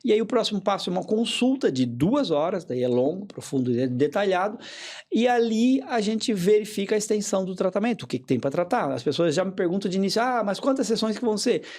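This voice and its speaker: A man being interviewed as a hypnotherapist, explaining in a measured way and repeating key phrases for emphasis. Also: high voice, animated, darkish tone. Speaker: hypnotherapist guest.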